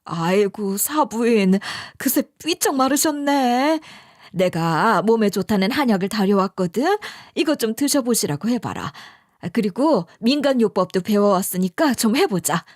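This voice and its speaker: A meddling older mother-in-law, voiced by a woman in a story read for radio. She nags and scolds, with a lively, swinging pitch and a dry, close sound. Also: measured pace, dry recording. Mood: coaxing. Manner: nagging, scolding.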